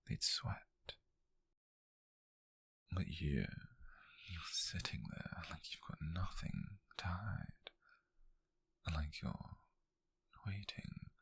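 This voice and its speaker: A British man playing a calm, menacing, possessive detective in a whispered ASMR roleplay, with a breathy, husky voice and slow, deliberate delivery. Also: low-pitched, no room sound, full character voice. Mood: probing, suspicious.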